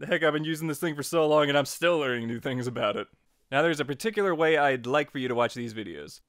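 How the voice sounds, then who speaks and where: A man narrating a casual software tutorial as its host, in an informal, jokey and playfully emphatic way. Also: a little high, expressive, fast talker, smooth, no echo, studio quality. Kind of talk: casual tutorial narration over screen recording.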